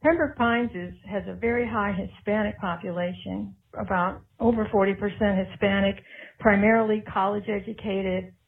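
A woman's voice: mid-range voice, fairly even intonation, moderate pace, gravelly. A woman calling in by voicemail, explaining a point in a matter-of-fact way. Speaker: voicemail caller. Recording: tinny phone-line voicemail.

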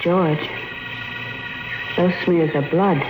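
An actress playing an anxious, gentle mother and wife in a 1950s radio drama, earnest and theatrical in delivery. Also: lowish voice, steady tone, very slow, loud music behind the voice. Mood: fearful. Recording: noisy old 1950s radio recording.

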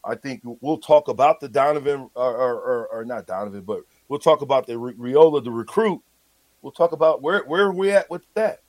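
A man's voice: medium pitch, animated, fairly quick, darkish tone, no echo. A man hosting sports talk in a heated, emphatic and confrontational manner, repeating phrases for stress. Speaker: sports talk show host.

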